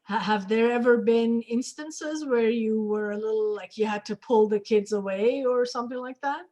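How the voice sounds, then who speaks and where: A woman interviewer moderating a conversational panel, speaking deliberately with pauses between phrases. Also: a little high, warm tone.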